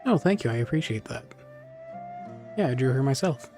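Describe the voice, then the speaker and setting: A man chatting casually as he livestreams a game, informal and thinking out loud. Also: mid-range voice, lively intonation, normal speed. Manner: informal, chatty, muses aloud. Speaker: game streamer. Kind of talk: casual livestream chat over gameplay. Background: game music.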